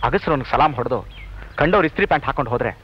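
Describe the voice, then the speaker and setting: A man's voice: a little high, animated, racing, slight background noise, natural voice. An actor playing a wry, good-humoured young man without work. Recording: dull old film soundtrack with music.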